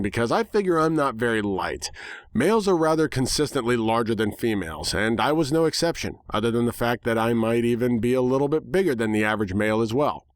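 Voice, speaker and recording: A man narrating a first-person story dramatically, with a wry, sarcastic and animated delivery. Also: mid-range voice, no echo, studio quality.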